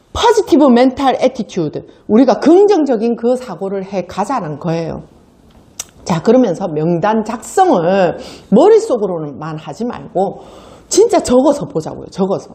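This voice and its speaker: A woman's voice: fairly high pitch, warm tone. A middle-aged woman, giving a motivational seminar talk, telling stories animatedly and acting out quoted voices with frequent laughs. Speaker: sales seminar speaker.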